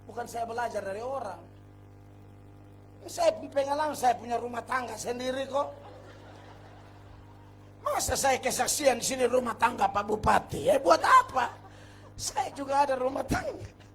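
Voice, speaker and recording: A male pastor preaching a revival sermon, telling a personal story with hushed asides and sudden shouts. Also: extremely high pitch, moderate pace, pauses often, faint music behind. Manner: animated storytelling, acts out scenes, shifts between hushed and shouting. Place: large revival meeting.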